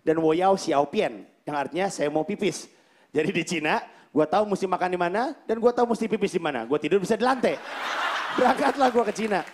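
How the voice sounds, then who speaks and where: A man performing stand-up comedy on stage, telling his story in an animated way and acting out the dialogue. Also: high voice. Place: comedy stage before a live audience.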